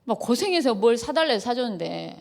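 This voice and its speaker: A woman's voice: on the high side, brisk, vocal fry. A middle-aged woman, a pastor's wife, giving a lecture at a church retreat, acting out quarrels and laughing often. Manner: lively, acts out quarrels in quoted voices, laughs often.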